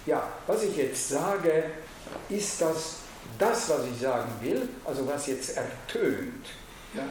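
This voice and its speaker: A man with a Hungarian accent gives a reflective lecture, halting and searching for words, with frequent restarts. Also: on the high side, darkish tone, slight background noise. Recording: very echoey room.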